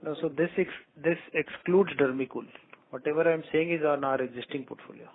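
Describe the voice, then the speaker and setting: A man with an Indian accent and a slightly high voice speaks as a company executive on a call. He answers in a halting, conversational way. The sound is thin and narrow, like a phone line. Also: fairly even intonation. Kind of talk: answering analyst questions on a conference call. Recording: tinny phone conference line.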